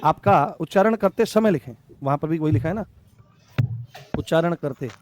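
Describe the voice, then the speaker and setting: A man's voice: fairly high pitch, lively intonation, moderate pace, faint music behind. A man teaching a Hindi grammar lesson, repeating key phrases and quizzing his students with fond nicknames. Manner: affectionate terms for students. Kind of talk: online exam-prep lesson.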